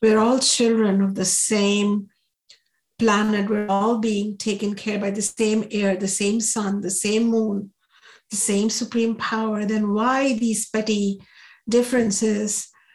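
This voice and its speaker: A woman speaks at a fairly slow pace in a fairly high, somewhat breathy voice with monotone, flat intonation. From India, Ayodhya. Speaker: spiritual teacher and author. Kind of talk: interview.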